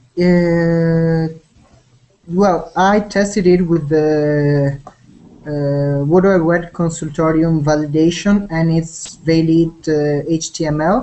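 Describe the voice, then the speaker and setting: Speaking at a very slow pace, a woman with a non-native accent uses a fairly low pitch and fairly even intonation. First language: not English. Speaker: app developer. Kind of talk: technical Q&A in video hangout. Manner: halting.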